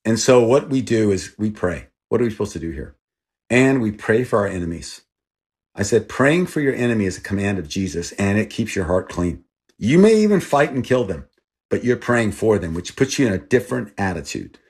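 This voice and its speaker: A middle-aged man born in Texas and raised in Thailand, telling personal stories as an interview guest in an earnest, halting way with many restarts. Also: fairly low pitch, very animated, darkish tone, husky. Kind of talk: reflective personal storytelling.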